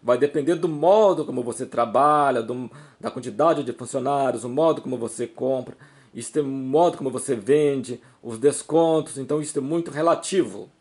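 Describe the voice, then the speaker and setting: A man's voice: mid-range voice, normal speed, darkish tone. A man with a Brazilian accent giving informal instructional advice as a video host, explaining by example in a repetitive, emphatic way with frequent check-in tags.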